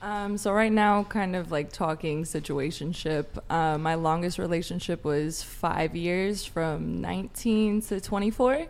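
A woman's voice: on the low side, measured pace, vocal fry, few pauses, a little mellow. A woman in her twenties, a guest on a dating podcast, rambling and hedging as she talks. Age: 20s. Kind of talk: casual panel chat.

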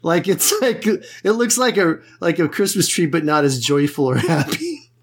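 Husky, animated joking man. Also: a little high, normal speed. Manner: playful, exaggerated jokes. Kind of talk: joking banter.

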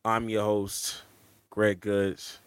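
A man's voice: lowish voice, completely flat delivery, extremely slow, clear, resonant tone, no room sound. Laughing young man hosting a podcast. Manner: laughs a lot, loose and playful. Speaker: podcast host. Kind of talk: casual chat.

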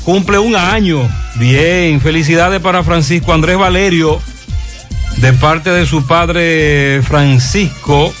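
A man's voice: on the high side, takes it slowly, a bit bright, soft background music. A man with a Dominican accent hosting a live radio show, chatting and reading out greetings. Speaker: radio morning show host.

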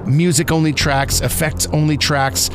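A man's voice: a little high, steady tone, measured pace, noisy background. A man hosting a podcast, giving an upbeat, appreciative announcement to listeners. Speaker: podcast producer and host. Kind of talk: scripted-sounding show announcement. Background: music.

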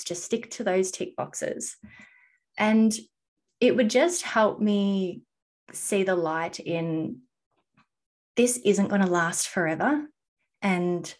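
A young woman speaks as a podcast guest, telling her personal story candidly and earnestly. Her delivery is animated, and her voice sits at an ordinary middle pitch.

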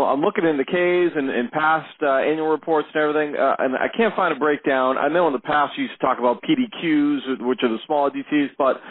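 A man working as a financial analyst, asking unscripted questions on an earnings call in a halting, conversational way. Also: fairly high pitch. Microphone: phone. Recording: tinny narrow phone connection.

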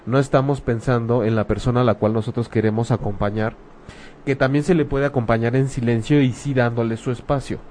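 A man's voice: medium pitch, fairly even intonation, fairly quick, darkish tone, slight background noise. A man with a Mexican accent talking frankly and casually, using slang and rhetorical questions. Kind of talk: casual talk about grief.

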